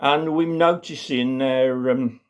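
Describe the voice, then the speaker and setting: A man's voice: mid-range voice, steady tone, slow pace, clean tone, pitched above the performer's own voice, lightly acted. A man voicing a bashful man in his late eighties with a Black Country accent, hesitant and colloquial, in a comic story. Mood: bashful, fumbling. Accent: Black Country English.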